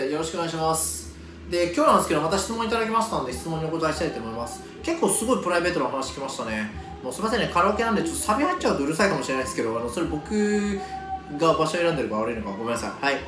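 Clear music plays behind a man who talks very fast at a high pitch with very wide pitch swings. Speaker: IT educator and digital marketer. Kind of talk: casual vlog talk. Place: booth.

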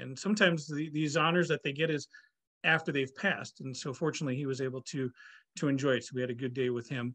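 A man with a Wisconsin accent talks at a very fast pace in a bright, sharp tone. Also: fairly high pitch for a man, ordinary pitch variation, quiet background. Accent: Upper Midwest (Wisconsin). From Green Bay, Wisconsin. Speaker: podcast host, Gulf War veteran; podcast host. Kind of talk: casual chat. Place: home room. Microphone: webcam.

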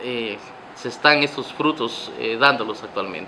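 Over light background noise, a man talks at a medium pitch with ordinary pitch variation. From southern Ecuador, Loja province. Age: 40s. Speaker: judge. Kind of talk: interview; interview answer. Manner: halting; formal. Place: office.

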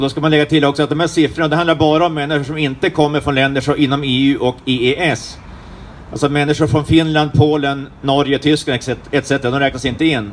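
A man's fairly high voice moves at a fairly quick pace in a monotone, flat intonation. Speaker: rally speaker. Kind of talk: public speech. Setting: outdoors. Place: street. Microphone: camera far.

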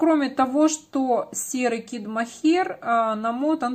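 Pitched high, a woman's voice moves with lively intonation at a very slow pace. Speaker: knitting video blogger. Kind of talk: casual tutorial and Q&A. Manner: chatty.

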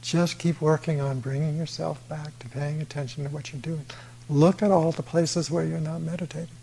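A soft-spoken man with a fairly high pitch, fairly even intonation and big swings in loudness. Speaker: Buddhist monk giving a dharma talk. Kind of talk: sermon. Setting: temple hall with audience, using a microphone. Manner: halting, with fillers.

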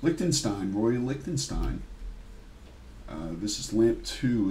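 Over light background noise, a man speaks with an American accent. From Pennsylvania, Bensalem (Philadelphia area); Pennsylvania. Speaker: art video creator; art vlogger. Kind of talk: narrated photo tour; commentary on own photos. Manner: casual, frequent filler uhs. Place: home room. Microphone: webcam.

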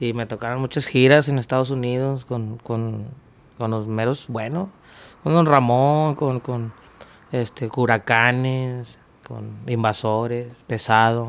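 A man's very slow speech with fairly even intonation. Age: 30s. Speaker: regional Mexican musician; interview guest. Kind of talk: casual interview chat. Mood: calm, reflective, warm. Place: studio. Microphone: studio mic.

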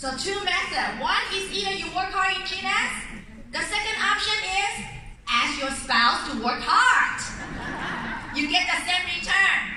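A woman's raised, projected voice at an extremely high pitch, fairly slow with long, frequent pauses and lively intonation, amid noticeable background noise and audible room echo. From Taiwan. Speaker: network marketing leader and motivational speaker. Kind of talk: motivational speech. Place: hall.

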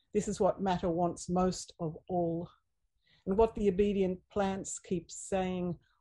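Over music in the background, a woman speaks in a monotone, flat intonation. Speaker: poet. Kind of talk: poetry reading. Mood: calm, expressive. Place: home room. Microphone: webcam.

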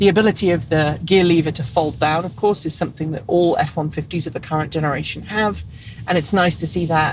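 Music plays behind a woman whose very deep, low voice moves at a fairly quick pace. Her pitch varies in an ordinary way, and the sound is dry with no echo. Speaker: car reviewer. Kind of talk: review commentary. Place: car.

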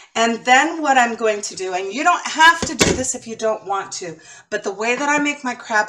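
A woman talking at a fairly quick pace over loud background noise. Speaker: home cook. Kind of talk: tutorial. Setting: home kitchen. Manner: casual, filler-heavy. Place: kitchen. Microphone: phone near.

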